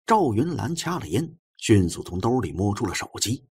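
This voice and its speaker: Narrating a suspense audiobook, a man uses a low, husky voice at a moderate pace. His reading is expressive and lively, with widely moving pitch.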